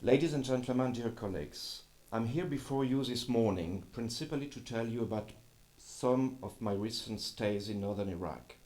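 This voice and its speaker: A man with a French accent giving a formal conference talk in a second language, slightly halting. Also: medium pitch, darkish tone. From France. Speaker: journalist and scholar speaking at a conference.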